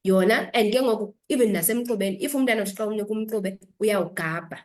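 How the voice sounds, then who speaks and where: A South African woman speaks as a doctor being interviewed. She talks very quickly at a middle pitch, giving instructive explanations and slipping between two languages.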